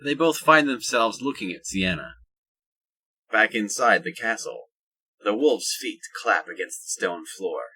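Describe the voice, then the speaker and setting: A man narrating a scripted audio drama in a husky voice. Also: lowish voice, expressive, unhurried, sharp tone, low-quality recording.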